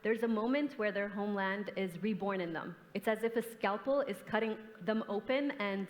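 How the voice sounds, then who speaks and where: A young artist who grew up in the US and Canada answers on a forum panel in a large conference hall, her mid-range voice moving at a moderate pace. She comes across as earnest, reflective and impassioned, picked up by a stage mic with hall reverb.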